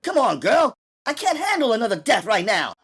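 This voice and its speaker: Brash streetwise New gal, high and lively, breathy tone, read by a male narrator. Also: heavily acted. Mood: frantic. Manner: brash, rapid-fire, indignant. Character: tough streetwise young New York woman. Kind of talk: audiobook character voice.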